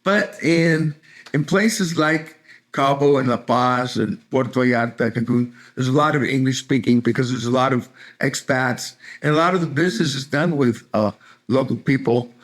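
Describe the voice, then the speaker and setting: An older man from California speaking in a relaxed, chatty way. He tells everyday stories with easy humor, laughing along now and then. His pitch sits in an ordinary middle range. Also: normal speed. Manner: easygoing, chatty, laughs while telling stories. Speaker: interviewee, retiree in Mexico. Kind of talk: casual interview chat.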